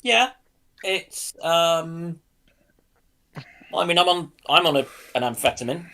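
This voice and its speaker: Man, creaky gravel, unhurried halting delivery, casual panel talk. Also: fairly high pitch, animated, pushed and bright. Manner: halting, hesitant. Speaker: panel guest. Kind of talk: casual chat.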